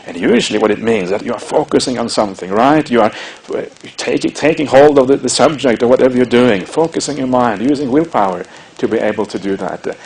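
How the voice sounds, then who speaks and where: A man with a Norwegian accent giving a measured, explanatory Buddhist dharma talk, with frequent hesitations. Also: mid-range voice, darkish tone. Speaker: Buddhist monk teacher.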